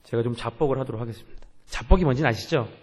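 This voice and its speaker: A man's voice: medium pitch, very fast, darkish tone, husky. A young man, a youth pastor, preaching a sermon in an earnest way and asking the congregation questions.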